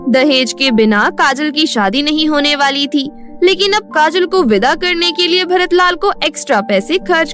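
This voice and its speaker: A woman narrator reading a scripted story. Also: high voice. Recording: music behind the voice.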